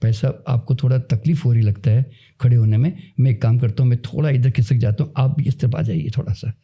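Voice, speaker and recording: A man acts out a considerate commuter offering to make room. He speaks softly in a lowered, mellow tone. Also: fairly even intonation, fast talker, close to an everyday voice. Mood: kind. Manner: soft and considerate. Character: kind, gentle male commuter making room.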